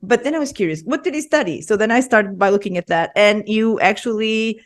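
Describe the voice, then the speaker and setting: A woman's voice: mid-range voice, fairly quick. Bubbly woman hosting a podcast. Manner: bubbly, laughs often. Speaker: podcast host. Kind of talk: casual podcast interview.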